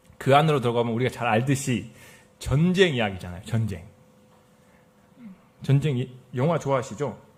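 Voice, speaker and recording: Speaking at a moderate pace with long, frequent pauses, a man with a medium pitch and lively intonation sounds somewhat breathy, with audible room echo around him. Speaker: pastor. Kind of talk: sermon. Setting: church. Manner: conversational, with fillers.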